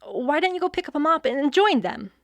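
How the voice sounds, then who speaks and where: A sassy fairy played by a woman in an audio comedy, cocky and theatrical. Her voice sits fairly high and swoops around a lot, recorded close and dry. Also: animated, a little fast, no room sound. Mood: exasperated. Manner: breezy, sardonic, theatrical. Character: cocky sarcastic female fairy wielding chaos magic. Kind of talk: audio fiction comedy acting.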